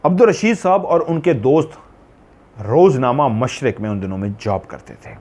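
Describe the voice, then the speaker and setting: A male horror storyteller, talking the tale through casually. He rambles, corrects himself and drifts into asides. His pitch sits in the ordinary male middle. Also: animated, normal speed, darkish tone.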